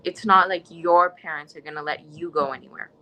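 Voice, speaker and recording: A woman's voice: fairly low pitch, steady tone, fairly quick, bright, forceful tone. A young woman from the United States speaking in an interview, earnest and impassioned, often restarting her sentences. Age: young adult. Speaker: interviewee, student. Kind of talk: conversational interview.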